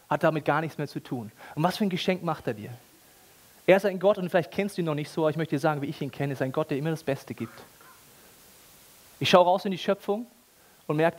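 German pastor guy, high voice, really animated sermon, jokes and funny voices. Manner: animated, jokey, acts out scenes in voices. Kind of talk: lively sermon.

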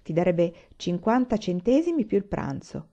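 A quiet, kindly pioneer mother, put on by a woman narrator, speaking in a hushed, gentle way. Her voice sits low and mellow. The recording is dull and lo-fi. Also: big pitch swings, moderate pace.

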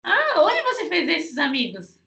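A woman teacher hosting an interview, asking chatty questions and giving quick affirmations. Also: very high-pitched, huge pitch swings, vocal fry, a bit bright. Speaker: Chinese teacher and host. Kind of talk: casual interview chat.

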